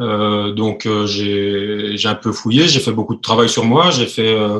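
This is a man talking. His pitch is fairly low. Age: 40s. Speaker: online seller. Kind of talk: interview. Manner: halting, many repetitions.

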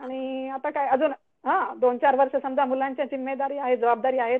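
A woman speaks with a high pitch. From Marathwada, Maharashtra (Nanded district). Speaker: businesswoman. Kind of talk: interview.

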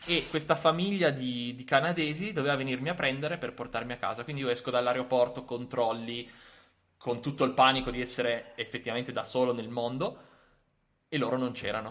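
Here is a man with a plain, everyday voice, talking at a fairly quick pace and medium pitch with ordinary pitch variation. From Piedmont, Italy (San Damiano d'Asti). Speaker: videomaker and YouTuber. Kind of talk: casual interview chat. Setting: live online video call.

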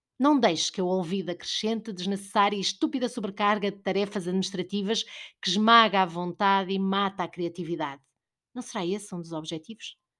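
In an unremarkable speaking voice, a woman talks at a fairly quick pace and medium pitch, with ordinary pitch variation, big swings in loudness and a very clean recording with a silent background. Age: 60s. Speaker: teacher and opinion columnist. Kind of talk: reading aloud of a personal essay.

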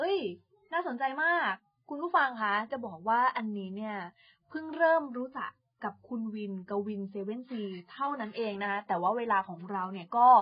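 A woman with an unremarkable speaking voice, fairly high in pitch, with lively intonation. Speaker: radio host. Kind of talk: casual chat.

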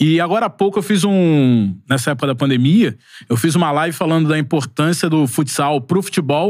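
A man's fairly high-pitched, normal speaking voice at a fairly quick pace, with lively intonation, on a very clean recording with a silent background. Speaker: sports commentator. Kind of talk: casual chat. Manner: relaxed conversational.

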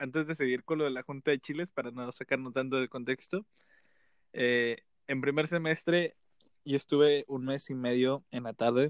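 The speaker goes at a moderate pace. The intonation stays fairly even. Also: man, medium pitch for a man. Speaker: podcast co-host. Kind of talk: casual chat. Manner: announcer-like when presenting.

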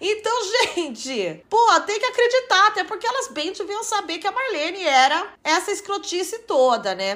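A woman talks in an animated tone, her pitch swinging very widely, with noticeable background noise behind her. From Brazil (born in Portugal, moved at about 7). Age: 30s. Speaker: podcast host. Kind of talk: casual solo podcast monologue.

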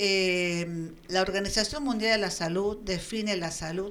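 A woman speaks at a very slow pace and a medium pitch, with audible echo from the room. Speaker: radio host. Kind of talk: reading informational text; casual radio interview. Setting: radio studio.

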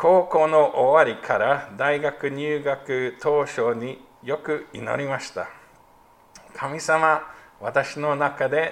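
A man with an English accent speaks at a fairly high pitch with fairly even intonation. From Australia. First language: English (speaking Japanese). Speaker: missionary. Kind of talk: testimony.

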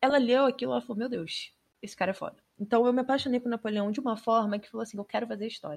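In a Carioca accent, a woman talks at a very fast pace with big swings in loudness against a quiet background. Her pitch is fairly high, with ordinary pitch variation. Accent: carioca Brazilian Portuguese. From Rio de Janeiro, Brazil. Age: 20s. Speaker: history podcast host and history student. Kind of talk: solo podcast monologue. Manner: casual, laughs often.

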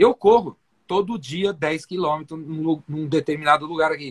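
A man speaks at a moderate pace with ordinary pitch variation, the sound dry and close with no echo. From Brazil, São Paulo city. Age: 50s. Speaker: sales speaker and consultant. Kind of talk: casual interview chat. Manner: animated.

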